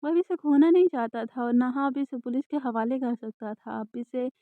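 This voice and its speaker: A woman narrating a romance novel in a soft, even storytelling manner. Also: sits high, no room sound. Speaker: audiobook narrator. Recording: dry, tinny phone-like sound.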